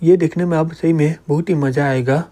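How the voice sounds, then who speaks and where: Guy narrating as a jealous scheming young dude, gloating, soft high-ish voice. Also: steady tone, fairly quick, natural voice.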